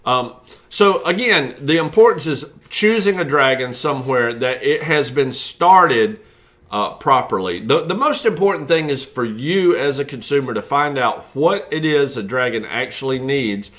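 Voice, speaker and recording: A man's voice: mid-range voice, lively intonation, moderate pace, fairly bright tone. A man who breeds reptiles, explaining care tips in a casual, folksy way with many fillers.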